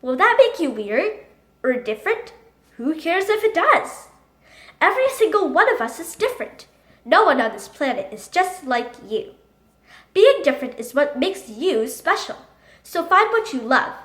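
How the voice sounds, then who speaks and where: High-pitched woman reading expressively in echoey room. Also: normal speed. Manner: expressive, emphatic storytelling. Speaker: children's book reader. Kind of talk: animated picture book read-aloud in character.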